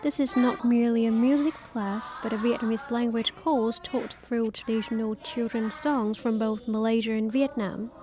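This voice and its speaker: A woman reporter narrating a news feature in a clear, even tone. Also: a little high, moderate pace, hardly any pauses. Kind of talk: scripted voice-over narration. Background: music bed.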